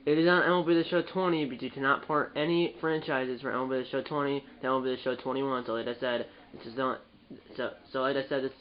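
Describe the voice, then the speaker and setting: A man's voice: mid-range voice, highs cut off. Stuffed-up young man rambling over gameplay. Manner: rambling, restarts and fillers, self-correcting. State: stuffed up, nasal. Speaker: gaming channel host. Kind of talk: casual gameplay commentary.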